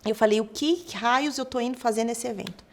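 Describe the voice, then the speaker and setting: A Brazilian woman speaks quickly in a bright, high register. She tells her story as a guest on a chatty podcast, stepping into her past self's lines as she goes. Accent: Brazilian Portuguese. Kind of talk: casual faith testimony conversation.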